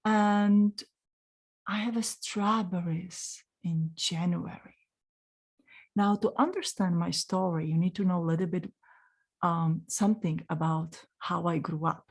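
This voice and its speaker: A woman in her forties with a Czech accent, telling a personal story in a gentle, unhurried way and speaking directly to the listener. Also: on the low side, steady tone, gravelly. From Czech Republic. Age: 40s. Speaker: spiritual channeler.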